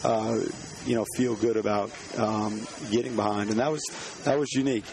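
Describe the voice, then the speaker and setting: A hoarse man, a home builder, answering interview questions on site with many restarts and fillers. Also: on the low side, fairly even intonation, moderate pace, a little mellow, slight background noise.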